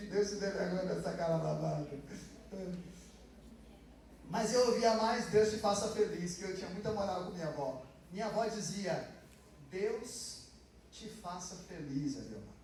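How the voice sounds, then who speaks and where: Male pastor, Brazilian accent, high voice, chatty sermon delivery; distant mic in a very echoey church. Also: measured pace, vocal fry, pauses often, a little mellow, a little hiss or hum. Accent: Brazilian Portuguese. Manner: conversational preaching, acts out quoted blessings. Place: large church hall.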